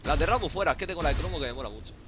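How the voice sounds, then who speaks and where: A man with a Spain Spanish accent doing casual gameplay commentary, excitable, swearing often and pleading out loud. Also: a little high, rapid-fire, a crowd in the background. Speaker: gaming YouTuber.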